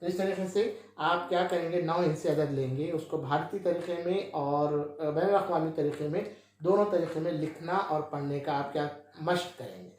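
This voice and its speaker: A man's voice: on the high side, moderate pace, darkish tone, very echoey. A male teacher explaining a maths lesson, who asks questions and answers them himself with frequent checks on his listeners.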